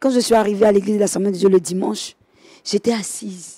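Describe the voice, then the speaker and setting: A woman's voice at medium pitch, with a dark, mellow tone, comes through. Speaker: gospel singer. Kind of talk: casual chat.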